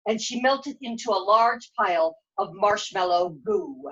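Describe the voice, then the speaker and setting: A woman puppeteer narrating a children's story live in an expressive storytelling style. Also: medium pitch, measured pace, lo-fi sound.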